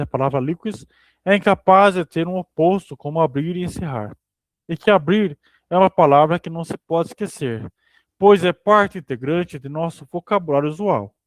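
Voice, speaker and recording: A man reading a philosophy book aloud for a study group, steady but sometimes stumbling and rereading phrases. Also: a little high, moderate pace, no room sound.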